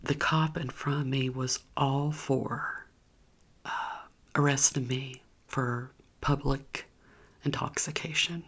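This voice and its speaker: A woman's voice: extremely low pitch, steady tone, slow, fairly bright tone, breathy edge. A woman whispering a candid personal story straight to her viewers in a chatty, conversational way. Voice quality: whispering throughout.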